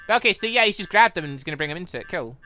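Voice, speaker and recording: A gaming channel host giving excited, rambling, exclamatory playthrough commentary, thinking aloud into a close microphone. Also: medium pitch, very fast, faint music behind.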